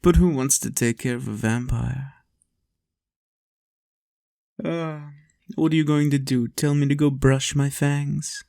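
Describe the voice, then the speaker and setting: A man's voice: mid-range voice, steady tone, vocal fry, mellow, dry recording, studio quality, lightly acted. A man playing a lonely, doting vampire lord in an intimate roleplay, soothing and playful as he coaxes the listener. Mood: playful, tender. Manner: soothing, unhurried, lapses into whispers and chuckles.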